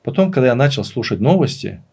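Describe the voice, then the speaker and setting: Earnest man with a mid-pitched voice, explaining. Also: sing-song, fast talker, creaky, darkish tone, slightly rough. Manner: earnest, emphatic repetition of phrases. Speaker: interview guest, language teacher and author. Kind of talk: conversational interview, explaining and reminiscing.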